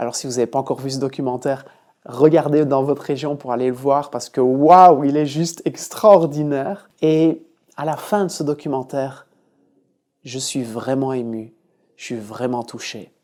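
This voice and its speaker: A man's fairly high, dark, mellow voice in a Belgian accent, with ordinary pitch variation at a moderate pace. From Belgium, Liège. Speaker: life coach. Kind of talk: welcome video; online talk.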